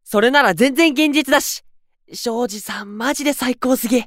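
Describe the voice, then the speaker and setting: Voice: mid-range voice, moderate pace, a bit bright, dry recording, studio quality, natural voice. An actor playing a hyper, upbeat young male idol in an audio drama, with breezy, slangy speech. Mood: excited. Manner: breezy youth slang, exuberant. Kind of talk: Japanese audio drama acting.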